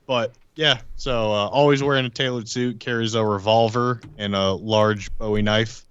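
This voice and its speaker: A man's voice: on the low side, steady tone, normal speed, fairly bright tone, clean tone, no echo, lo-fi sound. Dry-sounding recording, man explaining casually. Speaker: player on a tabletop game podcast. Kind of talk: casual chat describing his character.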